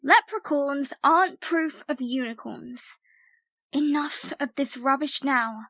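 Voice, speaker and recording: Woman acting an exasperated high-voiced bossy twin sister. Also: slow, a bit bright, dry recording, full character voice. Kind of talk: audio drama acting.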